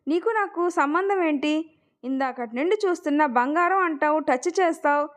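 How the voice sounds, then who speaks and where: A woman voicing a proud, heartbroken young woman who talks back in sharp, emphatic retorts in a family storytelling narration. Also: high voice, normal speed, close to an everyday voice. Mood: angry.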